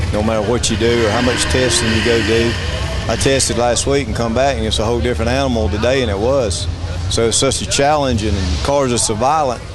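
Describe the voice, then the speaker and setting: A man, a drag racer, speaking in an enthusiastic, plainspoken way in a casual interview at an outdoor drag strip. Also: mid-range voice. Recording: outdoor track with loud engine noise.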